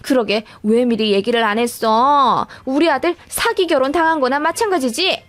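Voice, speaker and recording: Woman voicing a shrill scolding mother-in-law. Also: normal speed, natural voice. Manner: nagging, accusing. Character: scolding middle-aged mother-in-law, shrill and self-righteous.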